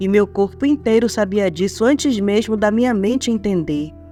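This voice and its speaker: Music plays in the background as a woman speaks at a moderate pace. Her pitch is medium, with ordinary variation. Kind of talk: first-person horror story narration.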